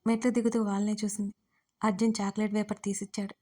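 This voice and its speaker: A woman narrating a family drama audiobook as scripted storytelling, reading in a gentle, even manner. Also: medium pitch, fast talker.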